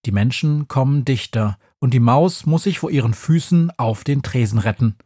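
Male audiobook narrator, husky, dry close sound, lively children's storytelling. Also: medium pitch, moderate pace, dry recording.

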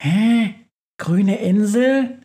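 Brief: dim, loud storybook character, high and shouty, as a male narrator puts him on. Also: drawn-out words, full character voice. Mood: shouting. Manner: shouting, high-pitched, confused.

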